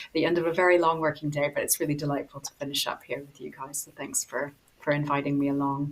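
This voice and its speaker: A woman speaks at a fairly quick pace. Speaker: theatre company director, university lecturer. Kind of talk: panel discussion.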